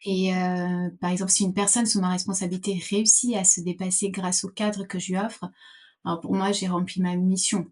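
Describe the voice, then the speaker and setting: A woman's voice: fairly low pitch, flat delivery, fairly quick, darkish tone. A middle-aged woman from Portugal answering interview questions thoughtfully, with many fillers and restarts. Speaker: podcast guest.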